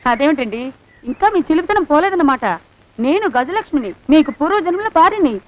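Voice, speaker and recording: A doting wife from a past life who keeps pressing her claim sweetly. Her voice is very high and quick. The soundtrack is dull and lo-fi, with a faint hiss behind it. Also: animated. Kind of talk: comic film acting.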